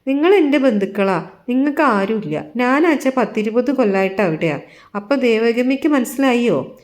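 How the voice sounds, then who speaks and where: A woman's voice: a little high, animated, moderate pace, darkish tone, lightly acted. A woman doing a boastful old village matchmaker. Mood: boasting.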